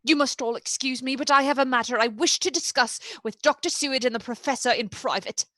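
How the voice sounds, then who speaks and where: A high, dry-sounding voice of a desperate asylum patient in a radio play. The delivery is dramatic and imploring, with formal, old-fashioned courtesy. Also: female voice, fairly quick, pushed and bright, no echo. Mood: grave. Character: lucid, desperate asylum patient pleading for release. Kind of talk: live radio play acting.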